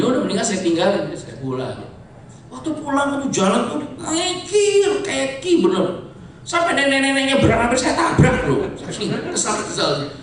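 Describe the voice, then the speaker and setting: A male pastor preaches a very lively voice, dropping low for asides and rising to shouts. He sounds set back from the mic in a big, heavily echoing church hall. A faint hiss sits under the recording. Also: far from the mic. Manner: animated storyteller, swings from low asides to shouted points. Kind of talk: sermon with anecdotes.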